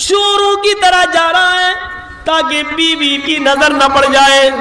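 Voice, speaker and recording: A man's raised, projected, animated voice amid audible room echo and noticeable background noise. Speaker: Islamic preacher. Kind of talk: sermon. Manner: animated, voicing characters.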